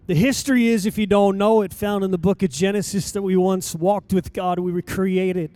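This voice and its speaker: High-voiced preaching man, mellow tone. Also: fairly even intonation, no room sound, faint music behind. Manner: emphatic preaching with dramatic pauses. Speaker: pastor. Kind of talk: sermon. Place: church sanctuary.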